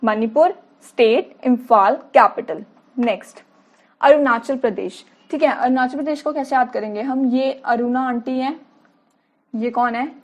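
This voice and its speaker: A woman's voice: fairly high pitch, unhurried, dull audio. A woman teacher explaining memory tricks to students, asking questions and answering them herself while repeating key words. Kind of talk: mnemonic lesson for students.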